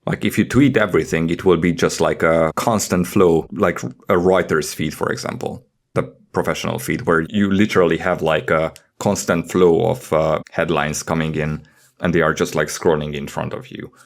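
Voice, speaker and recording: Male podcast co-host, deep voice, casual explainer who reasons through examples. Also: steady tone, normal speed.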